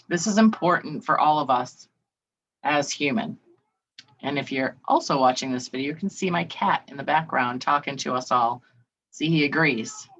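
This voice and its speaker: Low-voiced woman hosting a chatty podcast. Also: a bit bright, lo-fi sound. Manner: chatty, swears, acts out quoted voices. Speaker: podcast host. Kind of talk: casual solo podcast talk. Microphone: video call.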